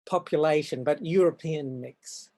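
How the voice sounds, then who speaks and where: A man in his seventies from Far North Queensland with an Australian accent, telling stories from his life in a hesitant, halting way over a video call from home. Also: fairly high pitch, dark tone. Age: 70s. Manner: hesitant, halting, with frequent ums and restarts. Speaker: guest artist. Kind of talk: reflective storytelling in an interview.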